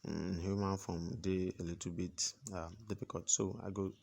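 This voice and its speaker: A man with a West African accent speaks Pidgin English as an instructor, giving an informal, patient, step-by-step software tutorial with plenty of repetition. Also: deep voice, level tone, moderate pace, creaky.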